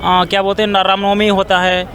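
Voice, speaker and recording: A man with a high voice gives his opinion in a street interview, often groping for the next word. There is some street noise around him. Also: completely flat delivery, a bit bright. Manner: halting, searching for words. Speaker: member of the public being interviewed. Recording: noisy outdoor street recording.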